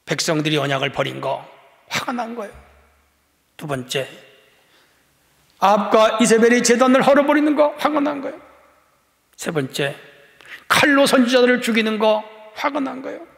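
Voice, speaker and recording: A male pastor preaching an impassioned sermon, swinging between hushed and raised passages. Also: extremely high pitch, lively intonation, normal speed, creaky, long pauses. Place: church sanctuary. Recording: long church hall reverb.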